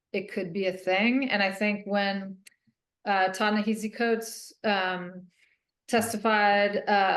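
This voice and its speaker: Earnest woman speaking in an echoey room. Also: medium pitch. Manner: earnest, halting, frequent "um" and "like". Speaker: guest author. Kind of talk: reflective interview answer.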